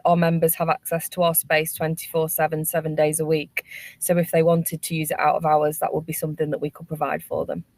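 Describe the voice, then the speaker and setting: Low, even-voiced woman, dry sound. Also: dry recording. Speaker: workspace operator, panelist. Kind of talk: informal professional panel answers.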